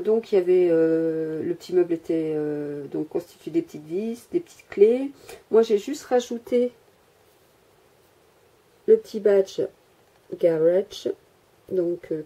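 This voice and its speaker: Unhurried and lowish, with a dark tone and fairly even intonation, a woman talks casually through a show-and-tell of her handmade miniature workshop. She wanders off topic, pauses often and teases herself, recorded on the mic of the camera in her hand.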